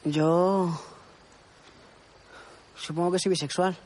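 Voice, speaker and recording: An actor playing a quick-tongued, defensive young man at a summer camp, firing back sharp, exasperated retorts in film dialogue. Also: high voice, fairly even intonation. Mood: bickering.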